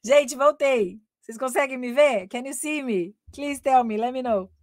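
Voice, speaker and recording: A woman's voice: high-pitched, measured pace, a little mellow, dry recording, clean studio sound. A middle-aged Brazilian woman, an English teacher, chatting and laughing easily on her weekly live stream, mixing in English. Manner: chatty and laughing, switching between Portuguese and English. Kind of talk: casual live-stream chat.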